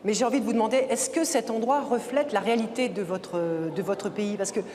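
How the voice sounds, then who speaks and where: A woman's voice: on the high side, brisk. A woman hosting a broadcast interview, asking probing questions with some hesitation. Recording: long reverb, crowd behind.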